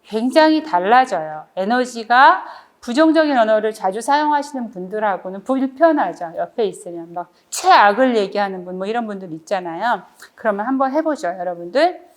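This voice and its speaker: A middle-aged woman lecturer with a voice a touch higher than most. She teaches in a lively way, acting out little quoted exchanges and laughing between points. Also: a little fast, few pauses. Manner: lively, acts out quoted requests and replies, laughs often. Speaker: nonviolent communication trainer. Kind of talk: lecture to a studio audience.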